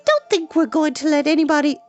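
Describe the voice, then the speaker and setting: Reader putting on a sassy girl voice, way up high, snapping back, faint music behind. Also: brisk, lo-fi sound, lightly acted. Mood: defiant. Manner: sharp, indignant. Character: defiant young girl.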